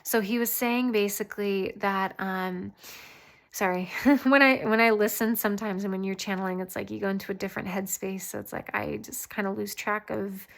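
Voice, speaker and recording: Lady doing a channeled tarot reading, pretty even pitch, stops and starts as she listens. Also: gravelly. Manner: hesitant, pausing to listen mid-thought. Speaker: tarot reader and channeler, host. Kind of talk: casual spiritual guidance, channeled reading.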